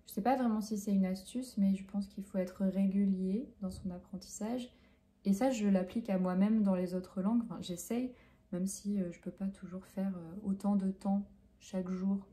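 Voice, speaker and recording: A woman's voice: mid-range voice, warm tone. A young Frenchwoman who teaches French, answering interview questions in a hesitant way with many fillers and self-corrections. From France.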